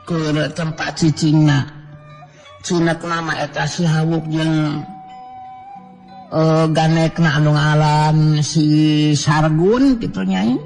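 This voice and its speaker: A man's voice: fairly high pitch, creaky, darkish tone, voice pushed up. A man voicing an elderly village woman who keeps a food stall and fusses over her guest in a storybook tale. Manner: fussing, explaining, doting.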